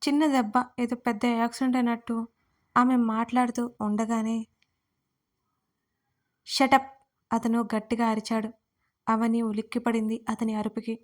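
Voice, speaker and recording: A woman storyteller giving scripted narration of a romance story in an even, steady reading. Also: a little high, a little fast.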